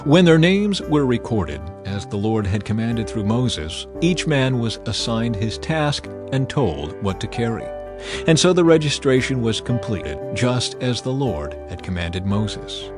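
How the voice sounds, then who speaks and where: A man narrating scripture as a dramatized audio Bible, solemn and measured, with deliberate phrasing. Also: medium pitch, big pitch swings. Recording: music bed under the voice. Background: background music.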